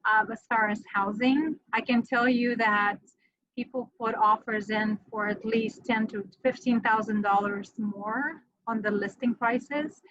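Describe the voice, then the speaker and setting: A woman's voice: fairly high pitch, fairly even intonation, a little slow, fairly bright tone, lo-fi sound. A middle-aged woman from Romania, a mortgage lender answering interview questions in a friendly, matter-of-fact way.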